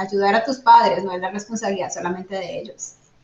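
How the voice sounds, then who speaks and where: A woman speaks with lively intonation. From Colombia. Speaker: real estate agent. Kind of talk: interview with personal testimony. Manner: hesitant, many fillers.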